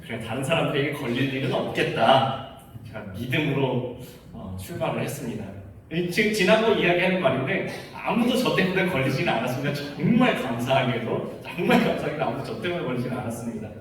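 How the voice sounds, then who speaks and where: A man's voice: mid-range voice, expressive, quick pace. A man in his thirties, a pastor telling a personal story in a sermon with wry laughs. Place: church sanctuary. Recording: echoey church hall, distant mic, faint hiss.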